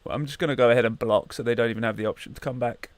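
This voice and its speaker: Guy on a live trading stream, muttering over charts, mid pitch, dry close sound. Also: steady tone, racing, no echo. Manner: chatty, mutters to himself while checking charts. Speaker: livestream trading host. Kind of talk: casual live-stream chat.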